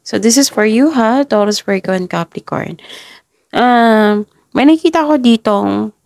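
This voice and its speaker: A young woman from the Philippines with a head cold, giving a casual tarot reading in a polite, halting way. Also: a little high, vocal fry, a little mellow, no room sound, clean studio sound. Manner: polite, halting, stops and restarts often. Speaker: tarot reader.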